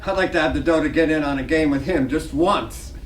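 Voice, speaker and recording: An actor in a dramatic play reading, playing a dutiful, starstruck hotel night clerk who muses and speaks with deference. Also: male voice, fairly high pitch, a little fast, natural voice. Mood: awed daydreaming. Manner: musing to himself, eager and deferential. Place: library reading room. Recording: distant echoey room, faint noise.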